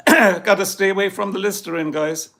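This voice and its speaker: Hoarse, gravelly German-accented man. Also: high-pitched, steady tone, normal speed, a bit bright. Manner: joking, chatty, reads out viewer comments. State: hoarse, losing his voice. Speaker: livestream host. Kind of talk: rambling casual chat with viewers.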